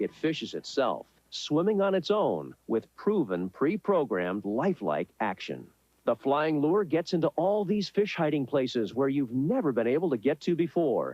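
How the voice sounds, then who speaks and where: With an upbeat, enthusiastic tone and some vocal fry, a man speaks at a moderate pace in a fairly high pitch, with very wide pitch swings and very even loudness. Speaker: infomercial host. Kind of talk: infomercial presentation.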